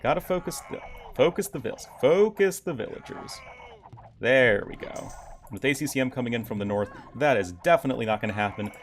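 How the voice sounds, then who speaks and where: A man's voice: medium pitch, lively intonation, a little fast. A young man casting a strategy game live and chatting loosely with his viewers. His voice sits in a middle range, and there is a faint hiss behind it. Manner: casual, chatty, reacts to chat. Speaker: game caster. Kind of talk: live stream commentary.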